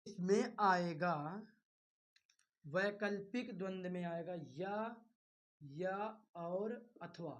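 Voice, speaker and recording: A male teacher with a high voice delivers a slow exam-prep grammar lecture, repeating key terms and firing questions at his students. He's reassuring, coaxing them along with "bhai."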